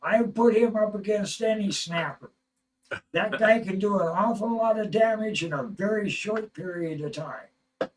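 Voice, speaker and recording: High-voiced man heard from afar. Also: unhurried, distant mic, noisy background. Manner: blunt and matter-of-fact, adds short remarks and corrections. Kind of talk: casual livestream chat.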